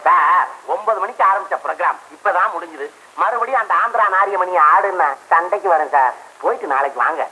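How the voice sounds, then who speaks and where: Film role: a cheeky club attendant, wheedling, lively high voice, faint hiss. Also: male voice, a little fast, full character voice, low-quality recording. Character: fawning, chatty male club attendant.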